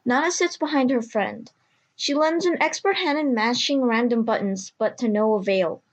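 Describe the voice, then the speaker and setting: A woman narrates an audio drama from a script. Her voice is fairly high as she describes the scene. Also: moderate pace, lo-fi sound.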